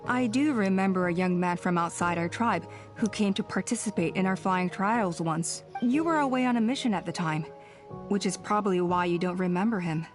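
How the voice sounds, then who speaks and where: A woman voicing a calm, measured tribal elder in a game cutscene. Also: on the low side, music in the background, close to an everyday voice. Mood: recounting.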